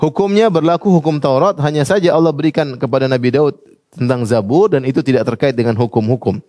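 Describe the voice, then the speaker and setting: A man's voice: medium pitch, fast, warm tone, no echo, clean studio sound. A man giving a religious lecture as a preacher. He recites Arabic passages and translates each one, and he puts questions to his listeners. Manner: quotes Arabic passages then translates them, asks the audience questions. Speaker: Islamic preacher.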